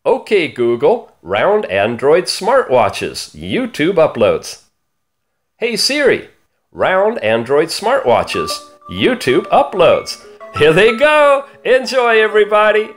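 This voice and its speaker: An animated man with a slightly high voice presents gadget news as a channel host. His pitch swings widely, and he stretches key words with theatrical emphasis. The delivery is upbeat and showy. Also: slow, faint music behind. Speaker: host of a smartwatch review channel.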